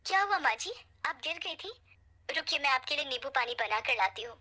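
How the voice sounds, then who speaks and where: A woman voicing a gentle, devoted young bride in a spoken storybook tale, talking in a caring way. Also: sits high, expressive, a little fast. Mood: worried.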